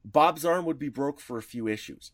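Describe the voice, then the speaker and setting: A man's voice: a little high, expressive, moderate pace, dry recording, clean studio sound. A man co-hosting a podcast, explaining at length in casual chat with restarts and short laughs. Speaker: podcast co-host.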